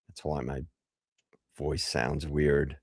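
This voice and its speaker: A man hosting a casual livestream, hoarse after a gig, talking loosely and swearing as he jokes with chat. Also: extremely low pitch, level tone, takes it slowly, darkish tone, dry recording, clean studio sound. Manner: loose and profane, jokey. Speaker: livestream host.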